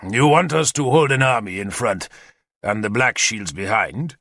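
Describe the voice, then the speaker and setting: A man's voice: fairly low pitch, expressive, normal speed, fairly bright tone, no echo, studio quality. A man doing a terse, grim foreign commander. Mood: wary. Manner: heavily accented, terse.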